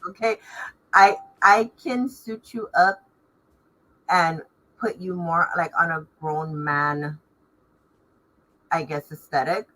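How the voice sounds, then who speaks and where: A woman's voice: fairly low pitch, steady tone, takes it slowly, pauses often, pushed and bright, low-quality recording. A woman chatting casually as a fashion designer in an interview, stressing words emphatically. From Los Angeles area, United States.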